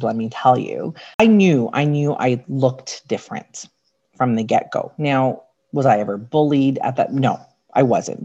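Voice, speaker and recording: A woman with a raspy, slightly deep voice, a podcast guest telling candid, reflective stories from her life in casual chat. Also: a little mellow. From Canada. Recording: dull lo-fi sound.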